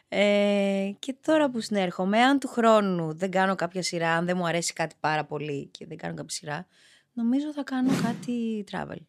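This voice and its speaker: A Greek actress chatting as a podcast guest, telling stories in a lively way and acting out what people said. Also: female voice, medium pitch, vocal fry. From Greece. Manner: lively storyteller, acts out quotes. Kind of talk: casual podcast chat.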